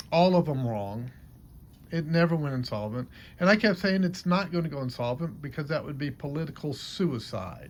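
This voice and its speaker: This man's voice sits fairly high and sounds somewhat breathy. His intonation is lively, and he talks at a moderate pace. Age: 60s. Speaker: YouTuber. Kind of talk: casual vlog commentary. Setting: outdoors in snowfall.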